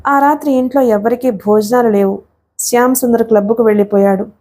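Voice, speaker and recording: A woman narrating a novel for an audiobook in a steady, expressive storytelling manner. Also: a little high, brisk.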